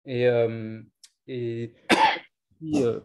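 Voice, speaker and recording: A man asks a question in a mellow, warm voice. He is polite and thoughtful and hesitates now and then. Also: mid-range voice, level tone, drawn-out words, muffled recording. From Brittany. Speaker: audience member asking a question. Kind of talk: question at a lecture.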